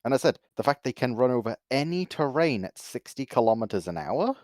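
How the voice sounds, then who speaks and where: A man's voice: medium pitch, sing-song, a little fast, darkish tone, no echo. A man chatting casually about technical details as a panel guest.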